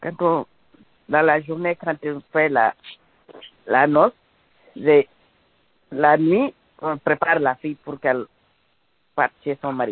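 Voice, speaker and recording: Speaking very slowly, a woman with a very deep, low pitch leaves long, frequent pauses. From Senegal. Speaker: guest speaking on customary marriage. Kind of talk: radio interview. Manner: halting.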